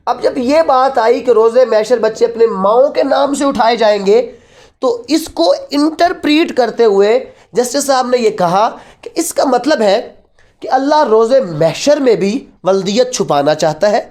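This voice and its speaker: A woman's voice: fairly high pitch, normal speed, darkish tone. A woman with a Pakistani accent giving an explanatory lecture as a teacher, repeating key phrases and posing rhetorical questions in a didactic way. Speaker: law teacher. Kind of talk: explanatory law lecture mixing Urdu and English.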